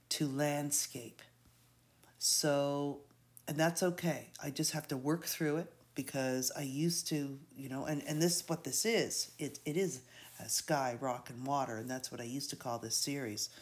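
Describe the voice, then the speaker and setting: A woman with a head cold, rambling and hesitant with many fillers, giving an unscripted painting tutorial. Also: deep voice. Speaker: art instructor.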